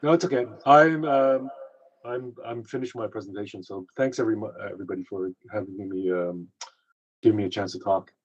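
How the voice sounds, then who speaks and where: A man presenting remotely over a video conference call, explaining at ease with many filler pauses. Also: on the low side. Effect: heard over a video conference call. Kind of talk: casual presentation talk. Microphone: computer mic on a video call. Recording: muffled, lo-fi conference call audio.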